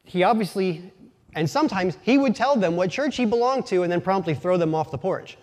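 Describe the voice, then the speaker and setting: A man's voice: high-pitched, animated, fairly quick, a little mellow. A man from Pennsylvania with a light Pennsylvania Dutch accent, giving a casual, folksy sermon full of personal stories and self-deprecating asides, often restarting his sentences. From Pennsylvania, USA. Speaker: lay preacher. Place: church sanctuary. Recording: long church reverb.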